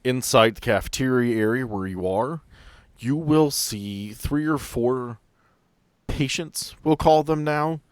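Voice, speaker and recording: A man's voice: mid-range voice, slow pace, clear, resonant tone, no echo. A man narrating and running a tabletop game as game master, explaining rules at length.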